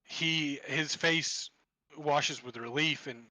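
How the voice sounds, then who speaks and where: A man narrating a tabletop session as game master, laying out each scene piece by piece. His voice is a bit high and bright, and he talks slowly into a dry, close mic. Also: no room sound, poor audio. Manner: descriptive, piecing scenes together with restarts.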